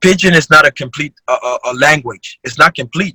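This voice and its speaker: A man speaks at a fairly quick pace and fairly high pitch, in an animated, bright, sharp tone. His pitch variation is ordinary, and the sound is dry and close with no echo. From Cameroon, anglophone Northwest/Southwest. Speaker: rapper. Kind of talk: interview.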